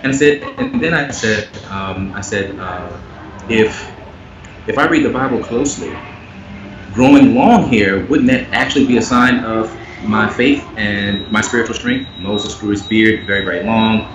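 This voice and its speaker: A man speaking earnestly as an interview guest, getting animated when he makes a point. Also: on the low side, normal speed, recorded from a distance. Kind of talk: candid conversational interview. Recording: echoey, muffled, noisy remote audio.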